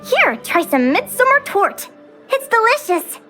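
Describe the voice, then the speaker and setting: Young female game adventurer-advisor, girlish, very high bright voice, animated, eager, music behind. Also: measured pace, heavily acted. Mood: apologetic, friendly. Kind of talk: video game voice acting.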